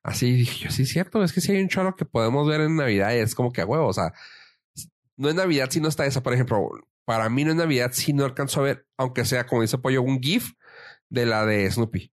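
A man's voice: medium pitch, quick pace, no room sound, studio quality. A man with a Mexican accent, hosting a podcast in a casual chat with friends, upbeat as he steers the talk. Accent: Mexican Spanish.

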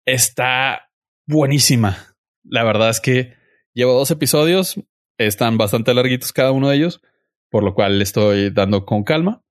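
A young man with a Mexican Spanish accent hosts a podcast, casually reviewing a series and pushing his opinions in slangy language. His voice sits at a medium pitch, recorded with studio quality and no echo.

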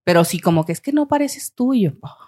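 A woman's voice: medium pitch, lively intonation, fast talker, dark tone. A woman with a northern Mexican accent co-hosting a casual podcast, joking and swearing freely. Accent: northern Mexican Spanish. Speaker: podcast co-host.

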